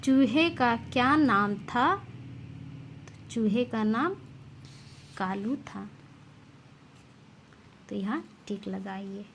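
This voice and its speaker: A woman teacher speaking slowly and carefully to young children, with a fairly high voice. She spells words out part by part in a patient, deliberate reading-lesson manner. A faint hiss of background noise sits under her voice. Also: expressive. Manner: slow and clear, stretching each word for young pupils. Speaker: school teacher.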